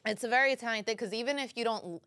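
A woman, telling stories in an animated, joking way as a studio guest. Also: fairly high pitch, rapid-fire, dry recording. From Brooklyn, New York. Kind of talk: casual interview chat.

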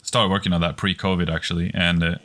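Deep-voiced man telling shooting stories. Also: fast talker. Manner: relaxed storytelling with lots of fillers and restarts. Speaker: precision rifle shooter. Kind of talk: casual podcast chat.

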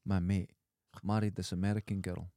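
A Scottish man co-hosting a podcast, firing quick, sardonic, profane remarks in casual banter. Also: low-pitched, flat delivery, mellow, no echo, clean studio sound. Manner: quick, sardonic, sweary interjections. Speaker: podcast co-host.

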